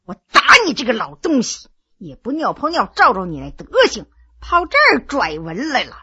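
Loud, brash army officer, bright and bossy, voiced by a woman. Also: a little high, big pitch swings, normal speed, slightly rough, highs cut off, pitched below the performer's own voice, exaggerated voice. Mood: blustering. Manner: blustering and loud.

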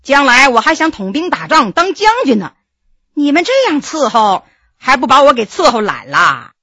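A woman's voice: sits high, very animated, normal speed, pushed and bright, no room sound, heavily acted. A woman voicing a playful, ambitious male Qing minister in a storybook reading. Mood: teasing, self-assured. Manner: jovial, teasing, self-assured.

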